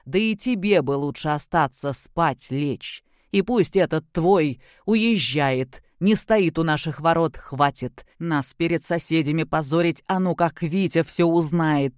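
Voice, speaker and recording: Lady doing a gruff old grandpa, low and bossy. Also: unhurried, hardly any pauses, darkish tone, no room sound, studio quality. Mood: stern. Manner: stern, commanding. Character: stern older man, grandfather.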